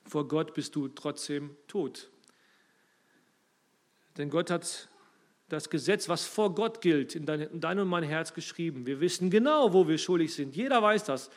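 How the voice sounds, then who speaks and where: A man delivers a sermon in a fairly high voice. He speaks with emphasis, his loudness swells and drops, and he addresses his listeners directly. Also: lively intonation, a little slow. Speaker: preacher.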